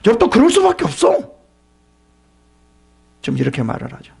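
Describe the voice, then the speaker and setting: Raspy, gravelly male pastor preaching. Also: very high-pitched, moderate pace. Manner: animated preaching that swings from loud to whispered. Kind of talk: sermon.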